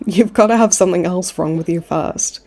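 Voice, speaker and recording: A woman's voice: fairly low pitch, moderate pace, warm tone. A woman playing a cheeky, smug supervillain in a comedy audio roleplay, with a breezy, teasing way of talking. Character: cocky, cheeky supervillain woman, a chummy hospital frequent flyer.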